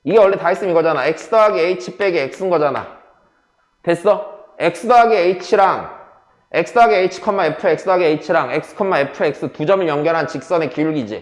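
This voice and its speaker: A man's voice: on the high side, normal speed, reverberant. A man teaching a math class, switching between casual and polite speech and often checking whether students follow. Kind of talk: classroom lecture.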